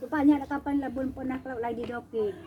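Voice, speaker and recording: An older woman telling what she saw as an eyewitness, animated and acting out the cries and calls of others. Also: high voice, very fast, dull audio. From Aceh, Indonesia. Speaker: tsunami eyewitness speaking to visitors. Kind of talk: emotional eyewitness storytelling. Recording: crowd of listeners around. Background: crowd.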